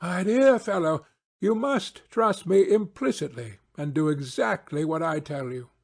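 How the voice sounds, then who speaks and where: A man's voice: on the high side, unhurried, vocal fry. A man playing a confident, eager male detective in an audiobook, with commanding, precise phrasing. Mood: brisk, assured. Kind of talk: audiobook character acting.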